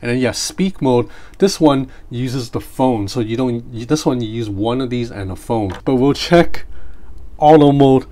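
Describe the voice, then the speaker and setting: A man, Cantonese his first language, runs through a gadget review at an indoor table. His talk is relaxed and conversational, with a mid-range pitch, and he narrates each step as his hands show it. The sound comes from a desk mic nearby. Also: moderate pace. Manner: relaxed, chatty, demonstrating as he goes. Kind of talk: casual product review. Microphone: separate mic near the desk.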